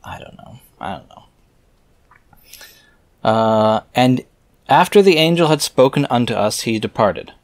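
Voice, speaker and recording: A man's voice: medium pitch, expressive, measured pace, long pauses, no echo. Wry man reading aloud, close and dry. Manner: wry, skeptical asides. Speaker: reader and commentator. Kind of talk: reading scripture aloud with offhand commentary.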